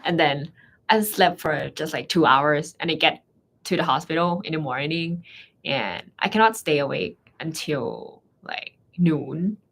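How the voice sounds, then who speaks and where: A young woman whose first language is Thai, a medical student guest speaking English in a hesitant, halting way. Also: deep voice, expressive, creaky, fairly bright tone. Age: young adult. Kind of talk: casual live chat.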